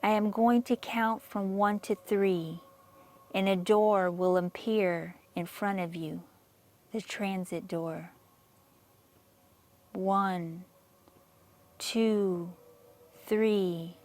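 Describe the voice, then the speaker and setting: Slow-paced woman guiding a meditation. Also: medium pitch, fairly even intonation, a little mellow. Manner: slow, measured, soothing delivery with long pauses. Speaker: meditation guide. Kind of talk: guided meditation, scripted reading.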